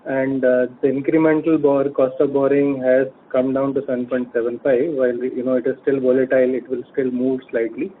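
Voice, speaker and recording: A man's voice: mid-range voice, little pitch movement, fairly quick, hardly any pauses. An Indian-accented man answering financial questions as a company executive on an earnings call. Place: telephone conference call. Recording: phone-like audio with faint noise.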